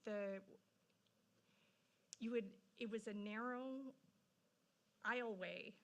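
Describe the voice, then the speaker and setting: A woman describing something haltingly in an informal public meeting discussion. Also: a little high, a bit bright.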